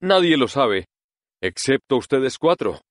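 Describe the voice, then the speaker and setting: A quavering, timid little old wizard, as a male storyteller puts him on, pitched above the reader's own voice and swinging widely in tone. He pleads and excuses himself humbly, a fraud caught out in an audiobook story. The sound is close and dry. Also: big pitch swings, measured pace, no echo. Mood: humble explaining. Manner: trembling, pleading voice.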